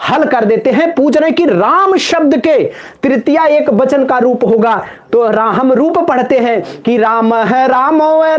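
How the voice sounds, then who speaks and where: A man teaching Sanskrit in a live online exam-prep class, chanting word forms in a sing-song rhythm and joking with viewers in the chat. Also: very high-pitched. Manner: playful, banters with viewers in chat.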